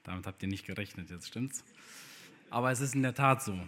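A man preaching to a congregation in an easygoing, conversational sermon. He often puts questions to his listeners and fills his pauses with little hesitations. His loudness rises and falls in lively swings as he talks. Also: on the low side, slight background noise. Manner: conversational, asks the congregation questions, many fillers. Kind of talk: sermon with scripture reading.

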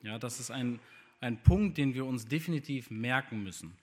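In an easygoing, conversational sermon that includes a scripture reading, a man with a medium-pitched voice preaches to his congregation. He often asks his listeners questions and fills pauses with many small hesitations. His volume rises and falls in lively swings as he speaks.

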